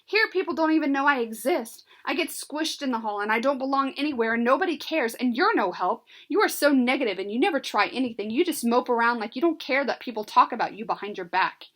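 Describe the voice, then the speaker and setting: A woman voicing an upset teenage girl who complains in high, quick outbursts. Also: animated, close to an everyday voice. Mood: whiny upset.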